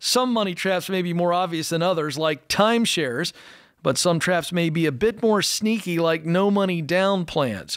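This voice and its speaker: A man's high-pitched voice at a moderate pace, with ordinary pitch variation and very even loudness, dry with no echo against a quiet background. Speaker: radio host; radio show co-host. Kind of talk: call-in advice show. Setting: studio. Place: studio. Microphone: studio mic.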